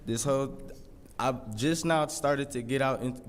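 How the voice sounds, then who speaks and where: Halting eighteen-year-old man at a council mic. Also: medium pitch, noisy background. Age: teens. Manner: halting, hesitant. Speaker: public commenter. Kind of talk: unprepared public comment. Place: city council chamber. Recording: long reverb of a council chamber.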